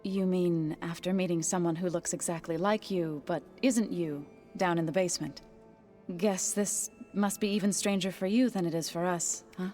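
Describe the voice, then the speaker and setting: A woman playing a gentle, devout tribal healer in a game cutscene, measured and earnest with formal phrasing. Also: lowish voice, fairly even intonation, lightly acted. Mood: curious, gentle. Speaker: video game companion character. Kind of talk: naturalistic game cutscene acting. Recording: music behind the voice.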